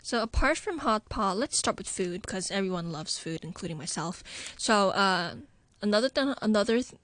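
A woman's voice: medium pitch, lively intonation, moderate pace, a bit bright, no room sound. A woman from Hong Kong, a regular guest on a radio show, cheerfully explaining local food. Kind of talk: casual radio chat. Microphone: studio microphone.

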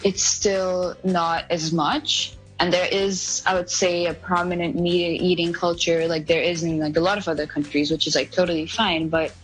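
A young woman from India answers interview questions in a relaxed, chatty way. She leans heavily on filler words, and her voice sits a little low. Faint music plays underneath. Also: moderate pace, few pauses, rough recording. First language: an Indian language other than Hindi. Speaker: guest.

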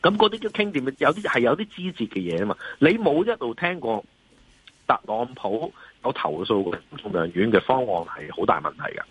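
A man's voice: mid-range voice, very animated, brisk, breathy edge, no echo. A man with a Hong Kong accent giving off-the-cuff market commentary as an interview guest, emphatic and often checking for agreement with rhetorical questions. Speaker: financial analyst and columnist, guest. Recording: dull lo-fi remote call line.

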